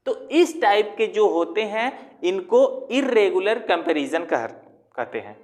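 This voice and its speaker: A man teaching a grammar lesson, explaining patiently step by step, asking the viewer questions and drawing words out slowly to show their parts. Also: high voice, very animated, darkish tone. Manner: asks rhetorical questions to the viewer. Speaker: English teacher. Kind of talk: classroom-style grammar lesson.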